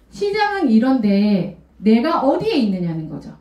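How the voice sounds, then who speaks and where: With an animated tone, a woman speaks amid audible room echo and noticeable background noise. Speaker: network marketing business presenter. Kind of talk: sales presentation lecture.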